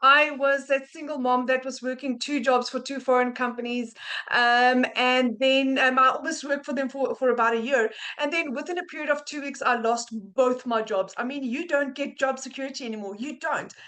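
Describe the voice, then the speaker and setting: A woman's raised, projected voice with a South African accent, high-pitched and bright and sharp in tone, at a moderate pace with fairly even intonation. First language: Afrikaans. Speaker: digital marketer. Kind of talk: testimony. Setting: live webinar. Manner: halting, many fillers and restarts.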